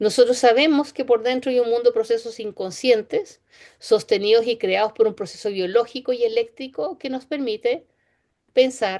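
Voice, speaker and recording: This woman uses a high pitch that varies in an ordinary way, keeping a moderate pace. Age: 60s. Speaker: trauma therapy trainer. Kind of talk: lecture. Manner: halting.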